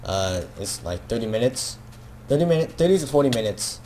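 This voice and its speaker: A man's voice: medium pitch, very animated, fairly quick, dark tone, a little hiss or hum. A young man with a Filipino accent, rambling self-consciously in a casual video, full of fillers and restarts. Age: teenager. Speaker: gaming video creator.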